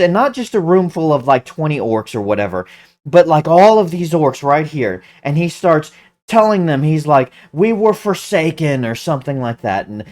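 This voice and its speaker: Excitable stammering online commentator. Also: medium pitch. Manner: stammering, restarts words when excited; animated, hums music aloud.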